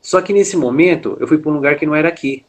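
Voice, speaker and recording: A man with a Brazilian Portuguese accent shares a personal testimony with an interviewer. His voice sits slightly high for a man. He talks haltingly, tagging phrases with fillers and restarting his sentences. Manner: frequent filler "né", hesitant restarts. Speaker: interview guest.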